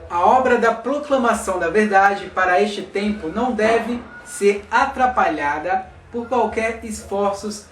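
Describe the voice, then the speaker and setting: Male reader, high voice, measured and formal; off-mic, roomy, faint music. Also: recorded from a distance, slight background noise. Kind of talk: reading a text aloud.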